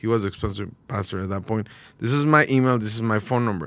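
On a very clean recording with a silent background, a man with a Mexican accent speaks at medium pitch with ordinary pitch variation. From Mexico. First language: Spanish. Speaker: pastor and recording artist. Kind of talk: casual chat. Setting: studio. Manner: halting.

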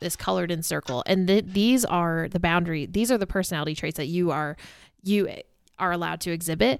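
A woman's fairly low-pitched, ordinary speaking voice at a fairly quick pace, on a very clean recording with a silent background. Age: 20s. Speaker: podcast host. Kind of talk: casual chat.

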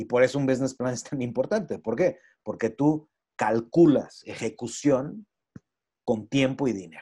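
The man speaks at a fairly slow pace. His tone is dark and mellow. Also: medium pitch for a man, ordinary pitch variation. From Portugal. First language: Portuguese (speaking Spanish). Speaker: agency partner, entrepreneur. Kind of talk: interview.

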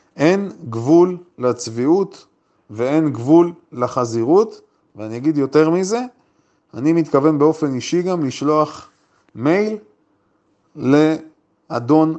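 A man speaks in a fairly high pitch. His pace is fairly slow. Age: 40s. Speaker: investment commentator. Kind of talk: solo podcast monologue. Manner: animated.

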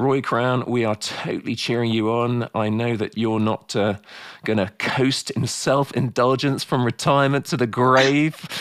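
This man speaks at a fairly slow pace with a British accent. His pitch sits in the medium range. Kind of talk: casual interview chat. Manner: animated.

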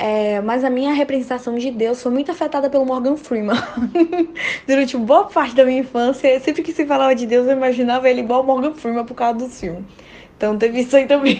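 The speech comes at a fairly quick pace with ordinary pitch variation. Noticeable background noise is present. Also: woman, high pitch for a woman. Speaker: influencer. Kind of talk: recorded voice message.

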